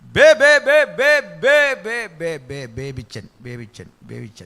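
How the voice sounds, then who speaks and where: A man's strained, high-pitched put-on character voice at a moderate pace. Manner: strained, stuttering.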